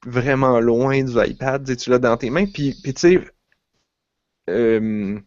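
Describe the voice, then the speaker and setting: A man's voice: medium pitch, unhurried, darkish tone, dry recording, muffled recording. A man with a Quebec French accent chatting casually on a podcast, rambling with restarts and fillers. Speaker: podcast co-host. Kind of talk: casual chat.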